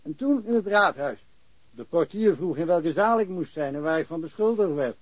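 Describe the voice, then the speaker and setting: A man's voice: a little high, lively intonation, moderate pace, no echo, rough recording. An actor playing a chatty, wry small-town policeman in a naturalistic radio crime drama, rambling along with dry humour. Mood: dryly amused. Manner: rambling, dryly humorous. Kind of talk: naturalistic radio play dialogue.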